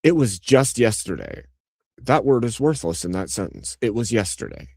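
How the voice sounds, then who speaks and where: Lowish-voiced man teasing in deadpan. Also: normal speed, creaky, slightly rough, no room sound, clean studio sound. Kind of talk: casual chat.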